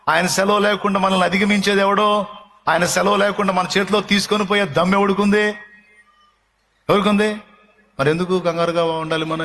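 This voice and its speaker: A man's voice: high-pitched, fairly bright tone, slight background noise. A male pastor preaching a sermon with emphasis, often putting rhetorical questions to his congregation.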